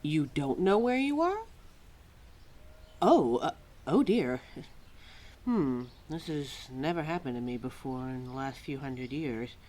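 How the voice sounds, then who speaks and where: A woman's voice: extremely low pitch, animated, takes it slowly, pauses often, dark tone, full character voice. A woman playing a scatterbrained, centuries-old keeper of forgotten lore in a roleplay audio drama, flustered and hesitant as she talks to a listener. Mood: welcoming, puzzled.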